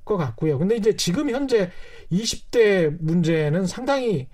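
A man's voice: high-pitched, sing-song, normal speed, a little mellow. A man in his forties hosting a casual discussion, attentive and giving many short acknowledgments. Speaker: host.

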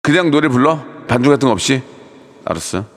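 A man's voice: mid-range voice, very animated, brisk, a little mellow. A middle-aged man hosting a radio talk show, chatting playfully in a repetitive, joking way and reading out listeners' messages. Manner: chatty, playful, repetitive, slips into mock voices and sung bits. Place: radio studio. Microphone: studio microphone.

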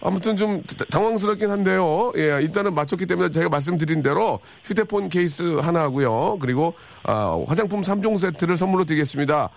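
A middle-aged man hosting a radio quiz, teasing callers and his co-host with quick jokes. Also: high-pitched, expressive, vocal fry. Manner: joking, teasing, quick asides.

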